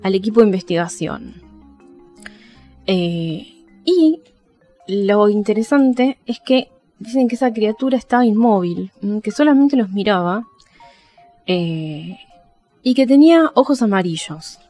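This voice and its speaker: A woman's voice: medium pitch, expressive, unhurried, pauses often, dark tone. A woman with an Argentine accent hosting a podcast, casually telling paranormal history and often checking in with her listeners. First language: Spanish. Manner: conversational, addresses listeners with checking tags. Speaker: podcast host. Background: background music.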